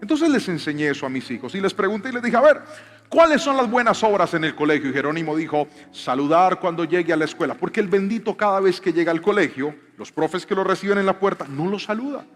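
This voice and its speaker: A man's voice: sits high, lively intonation, fast. A man in his thirties preaching a sermon as a pastor, telling personal stories and acting out quotes in changing voices. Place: church hall with live piano. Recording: live hall reverb with piano. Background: soft piano.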